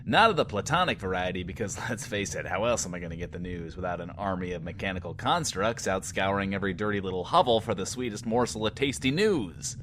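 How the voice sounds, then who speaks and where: Pompous bunker radio DJ, audio drama, deep-leaning voice, highly animated pitch, wordy, insecure bravado. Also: male voice, quick pace, hardly any pauses, slight background noise. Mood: flustered, defensive. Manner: pompous, wordy, theatrical, talks of himself in third person. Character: swaggering, insecure male post-apocalyptic bunker radio host. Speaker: radio host. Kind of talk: in-world radio show monologue, audio drama.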